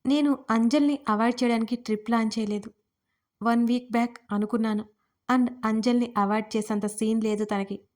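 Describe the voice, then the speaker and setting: A woman's voice: on the high side, fairly even intonation, a little fast, darkish tone, natural voice. A woman voicing a short-tempered young romantic lead who speaks curtly and slips English phrases into his lines. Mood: firm. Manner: irritated, curt, mixing English phrases.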